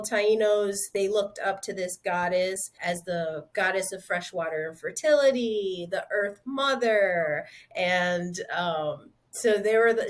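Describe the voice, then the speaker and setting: Podcast guest, woman, mid-pitched, animated and chatty, many fillers. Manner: animated, lots of "like" fillers and restarts. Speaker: interview guest, outdoor group founder. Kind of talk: casual podcast conversation.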